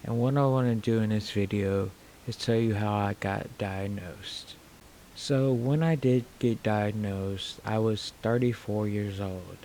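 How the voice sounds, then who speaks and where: A man in his forties with slurred speech, telling his own story to camera in a plain, unhurried way. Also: lowish voice, fairly even intonation, warm tone, a little hiss or hum. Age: 40s. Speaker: vlogger.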